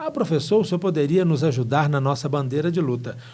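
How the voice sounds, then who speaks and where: Heard with audible room echo, a man talks in a dark, mellow tone with ordinary pitch variation. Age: 60s. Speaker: agronomy professor. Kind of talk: interview.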